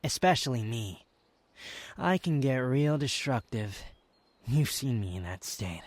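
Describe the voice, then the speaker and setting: A haughty young male wanderer, acted by a man, speaks close to the mic in a very dry space. His medium-pitched voice is sardonic and teasing, with dramatic pauses. It suits a romantic ASMR roleplay, where a guarded lover lets tenderness show beneath his pride. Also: very animated, dry recording. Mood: guarded, somber.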